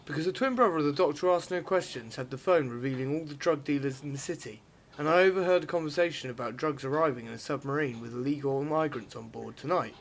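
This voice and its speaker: A man playing a brisk, pushy ex-cop turned vigilante in an audio drama, explaining things matter-of-factly. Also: fairly high pitch, vocal fry. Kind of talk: amateur audio drama acting.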